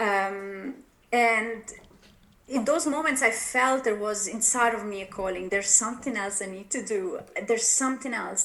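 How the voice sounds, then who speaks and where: Speaking with an Italian accent, a woman uses a fairly high pitch and ordinary pitch variation at a moderate pace. There is noticeable background noise. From Italy. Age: 40s. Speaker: life coach. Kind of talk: podcast interview. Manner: halting, many fillers.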